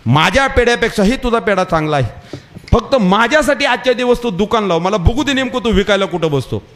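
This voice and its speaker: A preacher acts out a blunt, prosperous sweet-shop owner giving his struggling friend firm advice. He speaks a little higher than the storyteller's own voice. His talk is frank and scolding. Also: animated, fairly quick, a bit bright. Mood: advising. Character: blunt, successful adult male sweet seller giving advice.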